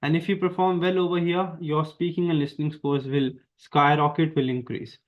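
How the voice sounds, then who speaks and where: Indian-accented man teaching, slightly higher voice. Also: steady tone, normal speed. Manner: explanatory, repetitive, emphatic. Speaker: exam prep teacher. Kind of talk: online lesson with slides. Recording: dull lo-fi sound.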